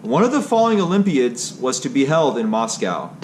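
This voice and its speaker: A man's voice: mid-range voice, big pitch swings, normal speed, a little hiss or hum. A man narrating a history read aloud from a text, in a stilted way that is unsure on hard words.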